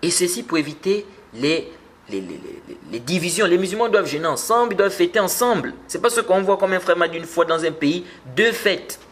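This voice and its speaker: A man's voice: sits high, animated, brisk, fairly bright tone. A man giving a religious lesson, explaining patiently, repeating words and rising when he stresses a point. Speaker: Islamic teacher.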